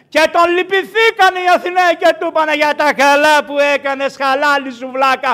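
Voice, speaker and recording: With hardly any pauses, a man in an extremely high pitch speaks in an animated tone with a raised, projected voice. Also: ordinary pitch variation, moderate pace. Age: 60s. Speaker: priest and missionary. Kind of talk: lecture. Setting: hall with audience.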